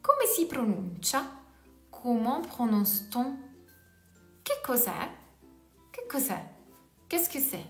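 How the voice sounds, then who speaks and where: A woman's voice: on the high side, wildly swooping pitch, slow, long pauses, fairly bright tone. A woman with an Italian accent teaching a beginner lesson in French, saying each Italian word twice and then giving its meaning. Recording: echoey room with faint music.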